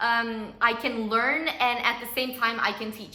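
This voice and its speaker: A woman speaks with a slight Spanish accent at a fairly high pitch. Audible room echo surrounds her voice. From Costa Rica. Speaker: nutritionist. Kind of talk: vlog talking to camera.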